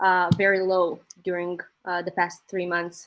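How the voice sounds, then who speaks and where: A woman with an Israeli accent speaks at a very slow pace. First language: Hebrew. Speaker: news anchor and journalist. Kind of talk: interview. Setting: video call.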